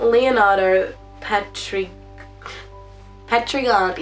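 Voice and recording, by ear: Over music in the background, a woman puts on a nasal character voice, fairly high in pitch, with lively intonation at a very slow pace.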